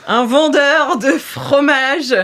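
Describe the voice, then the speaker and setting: A woman's voice: high voice, slow pace, fairly bright tone. A woman narrating an improvised tabletop game in an informal, playful way as game master. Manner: informal, playful, swears casually.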